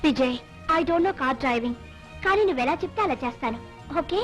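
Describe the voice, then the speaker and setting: A woman's voice: sits high, animated, normal speed. An actress playing a mischievous young woman who teases and fools her lover in a film scene. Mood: teasing. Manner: teasing, coaxing. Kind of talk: 1980s Telugu film dialogue. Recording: film soundtrack with music.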